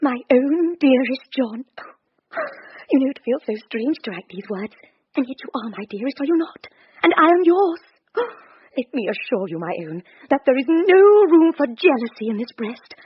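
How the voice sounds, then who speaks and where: A coy, breathy young sweetheart. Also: female voice, high voice, big pitch swings, moderate pace, no room sound, full character voice. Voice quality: breathy and coquettish. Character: gushing, coy young woman writing a love letter. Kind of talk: radio drama letter reading. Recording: dry, dull radio recording.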